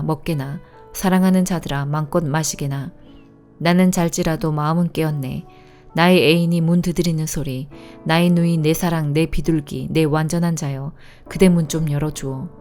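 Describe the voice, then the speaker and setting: A woman reads scripture aloud in a measured, unhurried way. Her voice sits a little low and sounds mellow and warm. Faint instrumental music plays behind her. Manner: steady, calm, measured reading. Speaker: Bible reader. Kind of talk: scripted Bible reading.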